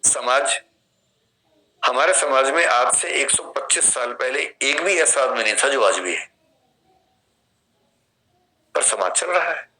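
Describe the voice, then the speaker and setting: A man's voice: mid-range voice, expressive, slow pace, pauses often, bright, forceful tone, low-quality recording. A man in his fifties with an Indian accent, giving a classroom lecture and explaining through questions and vivid examples. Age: 50s. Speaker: philosophy teacher.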